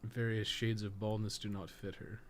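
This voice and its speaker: Grumbling offhandedly and swearing bluntly, a man who co-hosts a podcast rambles through casual commentary as he plays a video game. He speaks at a moderate pace in a lowish voice with little pitch movement, and noticeable noise sits in the background.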